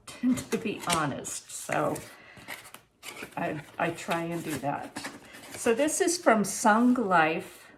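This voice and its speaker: A woman in her sixties, filming in her home kitchen, talks casually and practically to camera about preparedness and reviews a product for her vlog. Her voice is mid-range, with a little hiss or hum in the audio.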